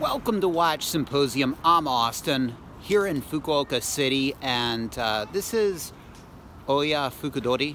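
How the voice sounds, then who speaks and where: A man speaks at a fairly slow pace. The sound is dry with no echo, and crowd noise murmurs in the background. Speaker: watch vlogger. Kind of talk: casual vlog chat. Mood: mildly dismayed. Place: street. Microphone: phone near.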